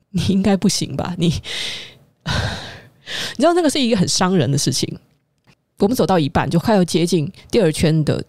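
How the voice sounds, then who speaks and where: Woman telling a personal story, animated. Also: lowish voice, dry recording, clean studio sound. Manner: animated, acts out quoted dialogue; conversational, asks listeners rhetorical questions. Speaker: podcast host.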